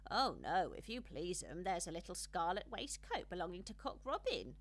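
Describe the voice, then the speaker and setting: A woman's voice: on the low side, very animated, moderate pace. Lady doing a busy little hedgehog laundry maid, super deferential and fussy, bouncy delivery, kids story. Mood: humble, proud. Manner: deferential, bobbing, busy country-servant talk. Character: small stout female hedgehog washerwoman, humble, fussy, industrious.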